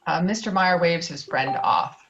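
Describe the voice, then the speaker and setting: A woman's voice: lowish voice, normal speed, fairly bright tone, lo-fi sound, slight background noise. A woman reading screenplay stage directions aloud as narrator of a table read.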